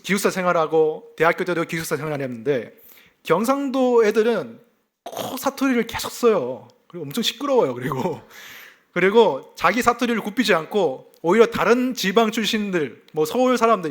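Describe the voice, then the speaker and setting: A male pastor from South Gyeongsang with a faint Gyeongsang accent, giving a sermon in a lively, conversational way. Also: sits high, brisk. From South Gyeongsang, South Korea. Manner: lively, conversational preaching with self-deprecating laughs.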